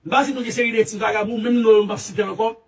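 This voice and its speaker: A man giving a rambling, halting statement with many repeats and restarts, heard from a played clip. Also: high voice, fairly even intonation, recorded from a distance. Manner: repetitive, halting, restarts often.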